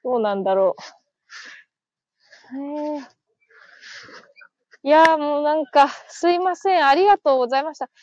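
A woman's voice: high voice, normal speed, pauses often, no echo, muffled recording. A woman hosting a casual live stream, chatting, laughing and reading listener comments aloud as she thanks each viewer. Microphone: phone.

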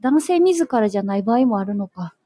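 A woman's voice: mid-range voice, animated, a little fast, warm tone, no echo. Kansai woman chatting on live radio. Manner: frequent agreeing backchannel. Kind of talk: casual live radio chat.

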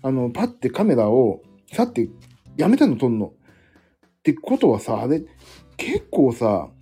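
A middle-aged man chats loosely and rambles through a solo livestream, joking at his own expense. His voice is mellow and a little husky, and it swings up and down a lot as he talks. Soft guitar music plays faintly behind him. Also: mid-range voice, wildly swooping pitch, unhurried. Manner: rambling, self-deprecating, chatty, jumping between topics. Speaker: livestream host. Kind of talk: casual solo livestream chat.

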